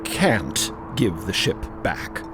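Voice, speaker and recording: Man playing quietly firm man, plain, deliberate, slow, audio drama, prominent music. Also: deep voice, big pitch swings, pitched below the performer's own voice, full character voice. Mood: firm, gentle. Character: quietly firm man addressing an angry commissioner. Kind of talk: audio drama character acting.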